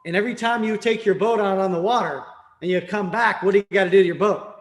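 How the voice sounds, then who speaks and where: Fast and high-voiced, a man leads sales training by quizzing attendees, constantly punctuating his points with "right?"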